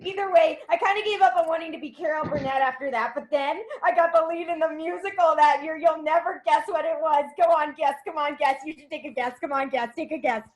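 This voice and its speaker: Woman playing a loud, gushing chatterbox. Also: high voice, fairly quick, few pauses, natural voice. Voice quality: loud, oversharing, breaks into song. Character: overly chatty young woman at a bus stop, loud and gushing. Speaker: actor in a sketch. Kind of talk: virtual staged reading of a comedy sketch. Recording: roomy echo.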